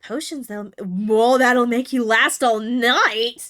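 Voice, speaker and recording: A woman's very slow, high-pitched put-on character voice with fairly even intonation, on a very clean recording with a silent background. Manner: lowered, discreet, conspiratorial.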